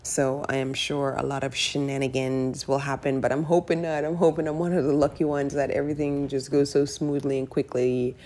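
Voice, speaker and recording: A woman's voice: extremely low pitch, little pitch movement, a little fast, hardly any pauses, a little mellow, a little hiss or hum. A woman in her thirties chatting casually and candidly in a voice-over, with fillers like "like" and "right". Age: 30s. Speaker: personal finance vlogger. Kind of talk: casual voice-over over screen recording.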